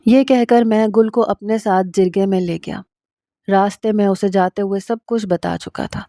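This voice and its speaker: A woman narrating a first-person story in a steady, even reading voice. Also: medium pitch, no room sound, studio quality.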